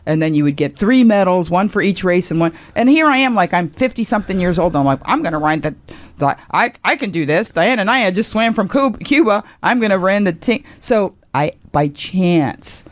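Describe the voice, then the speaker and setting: A woman in her sixties tells a story with a lot of energy and often bursts out loudly when she quotes herself. Her voice sits in a middle register, recorded close and dry with no room sound. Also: lively intonation, moderate pace, dry recording. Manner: exclaims loudly, acts out quotes with big pitch jumps. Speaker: guest, radio talk host. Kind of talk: animated personal storytelling.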